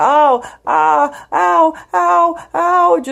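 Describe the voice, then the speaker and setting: Loud shouting in a put-on character voice sits at a middle pitch. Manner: screaming in pain.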